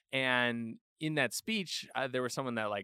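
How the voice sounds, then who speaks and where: The recording is very clean and the background silent. With a normal speaking voice, a man keeps a moderate pace at medium pitch and shows ordinary pitch variation. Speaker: podcast host and life coach. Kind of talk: solo podcast monologue. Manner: casual, filler-heavy.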